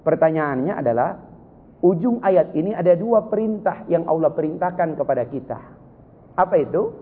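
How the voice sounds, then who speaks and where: A man preaching a sermon from Sulawesi, lively, with sudden high emotional cries. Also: moderate pace. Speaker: Islamic preacher. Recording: tinny lo-fi with long hall reverb.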